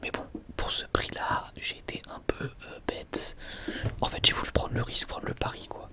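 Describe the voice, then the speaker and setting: A man whispers an ASMR product review in a breathy, unvoiced voice, halting and wryly sarcastic, close to the microphone. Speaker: ASMR video host.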